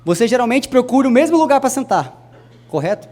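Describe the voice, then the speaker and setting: Young man, preacher, high voice, sermon to a congregation, soft-to-loud swings. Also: big pitch swings, brisk. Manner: addresses the congregation directly, wide swings in pitch and loudness.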